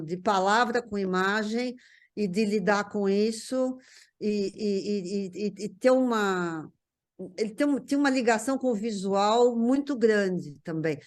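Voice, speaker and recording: A middle-aged woman with a Brazilian accent talks as a guest sharing recollections. Her delivery is conversational and halting, with words repeated as she feels her way toward a phrase. Her pitch sits in an ordinary middle range. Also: darkish tone. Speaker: guest recalling a writer relative. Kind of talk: casual reminiscing conversation.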